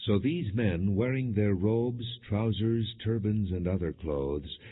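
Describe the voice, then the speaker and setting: A man narrating scripture from a script as an audiobook, in a measured, solemn manner. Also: lowish voice, husky. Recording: dull, muffled lo-fi audio.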